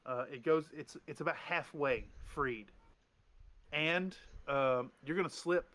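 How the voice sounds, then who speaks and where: A man's voice: fairly high pitch, slow, fairly bright tone. A man running a tabletop game as game master, rambling with restarts and fillers.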